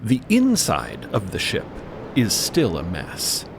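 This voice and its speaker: Slow, expressive man narrating audio drama. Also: lowish voice, gravelly, background noise.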